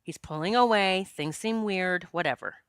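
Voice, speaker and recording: A woman in her late forties hosting a solo podcast, talking in a chatty, expressive way and joking with her listeners. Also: fairly low pitch, moderate pace, smooth, no room sound. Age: 40s. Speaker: podcast host and psychic medium.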